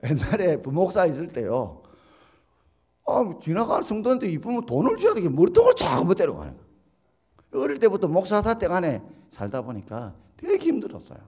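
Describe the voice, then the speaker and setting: A man's voice: a little fast, slightly rough. A man, preaching a sermon as pastor and telling stories with big swings in his voice. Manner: animated storytelling, acts out quoted voices with big pitch leaps.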